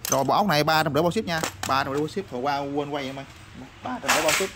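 A man showing off used motorbike parts in a rapid, repetitive sales patter full of fillers. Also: on the high side, fairly bright tone. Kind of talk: casual product showcase sales patter. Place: parts shop or workshop. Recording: noisy backdrop with passing vehicles.

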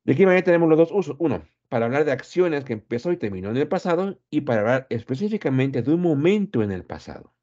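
A man's voice: a little high, sing-song, fast, warm tone, muffled recording. A man teaching English grammar in Spanish, who explains patiently and drills pronunciation by repeating each word several times.

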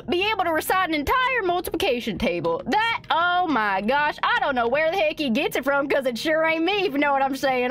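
High-pitched, animated woman with put-on cowboy accent. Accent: put-on American cowboy Western. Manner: folksy, exaggerated cowgirl drawl with mild oaths like gosh dang. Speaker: game livestreamer. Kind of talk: playful in-character game stream chat, reading game text aloud.

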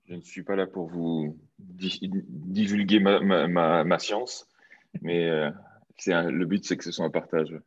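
A man's voice: low voice, steady tone, a little slow, no echo, lo-fi sound. A man in his thirties from France, introducing himself casually with many fillers and restarts. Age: 30s. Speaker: guest, software developer.

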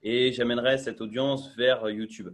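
Young guy on a video call, earphone mic, lots of ums and restarts, average pitch. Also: steady tone, normal speed. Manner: chatty, full of fillers and restarts. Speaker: guest. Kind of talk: casual video-call interview. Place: small bright room indoors.

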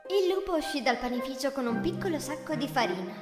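A woman narrating a children's fairy tale in an expressive storytelling voice. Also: high-pitched, fast talker. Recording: echoey, reverberant room with music.

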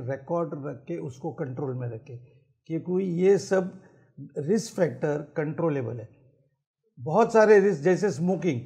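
Middle-aged male heart doctor, TV studio guest, gravelly mellow tone, slightly high, switches into English phrases. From Mumbai. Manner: mixes English phrases into Hindi, lists symptoms and risks. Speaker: cardiologist guest. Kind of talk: explanatory interview answers. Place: TV studio set.

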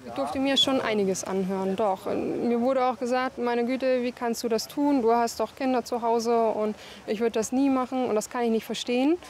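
A woman's voice: on the high side, steady tone, moderate pace, a little mellow. Young woman talking in a casual interview. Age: 20s. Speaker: soldier and mother being interviewed. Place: outdoors, at a training range and in a garden.

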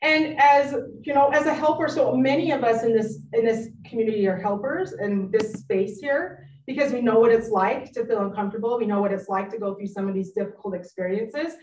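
Animated woman presenting in an echoey room. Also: on the high side, a little fast, few pauses. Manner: animated, acts out quoted friends. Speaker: presenter at a parent workshop. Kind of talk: live workshop talk. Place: meeting room. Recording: echoey room, distant mic.

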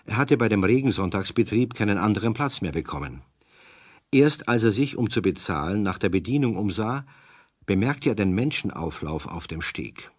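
A man narrates a children's radio play as a storyteller. His voice is on the low side and husky, recorded dry and close. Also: lively intonation, moderate pace, dry recording.

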